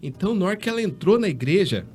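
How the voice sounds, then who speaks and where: A man's voice: high voice, big pitch swings, fast talker, a little mellow, slight background noise. A man, a wedding photographer, telling a story animatedly in casual chat.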